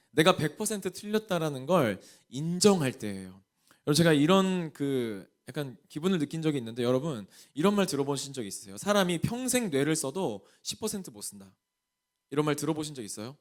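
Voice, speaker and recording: A male pastor from Jeolla with a Jeolla accent, preaching a sermon to a young adults group and asking the congregation many questions. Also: a little high. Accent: Jeolla Korean. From Jeolla region, Korea.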